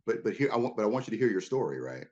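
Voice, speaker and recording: Husky low-voiced man, earnest. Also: big pitch swings, racing, darkish tone, muffled recording. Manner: earnest, repeats words while building a point. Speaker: guest, leadership consultant. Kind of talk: conversational podcast interview.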